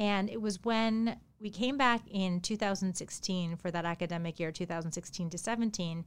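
In a very clean recording with a silent background, a woman with an ordinary speaking voice talks at a moderate pace, medium in pitch, with ordinary pitch variation and hardly any pauses. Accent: American. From New York City area, US. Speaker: author. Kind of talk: interview.

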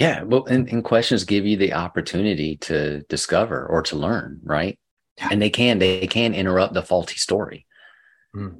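A normal speaking voice moves at a moderate pace with lively intonation on a very clean recording with a silent background. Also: man, fairly low pitch for a man. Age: 40s. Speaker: strength coach and author. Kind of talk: casual interview.

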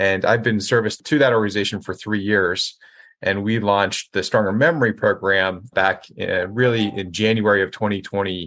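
The voice is an unremarkable speaking voice with an American accent, fairly even intonation and a fairly quick pace, set against a quiet background. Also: man. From US Pacific Northwest, Oregon. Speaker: chief executive of senior care organization. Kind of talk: interview.

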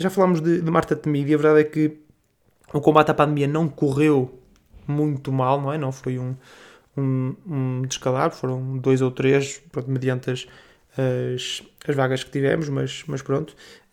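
Here a man talks at a moderate pace with a fairly high pitch. His intonation is monotone and flat. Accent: European Portuguese. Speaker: podcast host. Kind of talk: solo political commentary podcast. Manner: hesitant, many fillers.

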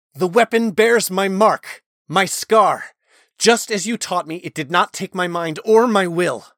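A man's strained, put-on character voice, high in pitch, at a moderate pace with ordinary pitch variation, in a dry, close sound with no echo on a very clean recording with a silent background. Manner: strained, through clenched teeth.

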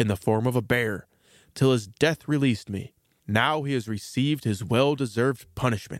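Over a quiet background, text is read aloud in a natural voice with ordinary pitch variation.

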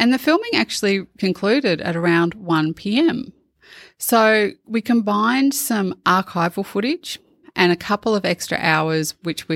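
Speaking with an Australian accent, a woman uses lively intonation at a moderate pace in a very clean recording with a silent background and a dry, close sound with no echo. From Australia, Melbourne. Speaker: documentary filmmaker and podcast host. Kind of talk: solo tutorial podcast.

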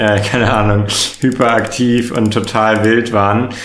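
Amid noticeable background noise and audible room echo, a man talks at a fairly low pitch in a monotone, flat intonation. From Berlin, Germany. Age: young. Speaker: co-founder of a youth crisis chat service. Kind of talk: interview.

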